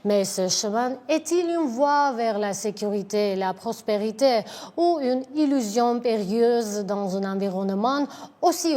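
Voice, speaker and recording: Woman interview host, formal scripted delivery, somewhat high pitch. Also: a little mellow. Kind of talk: scripted introduction and questions.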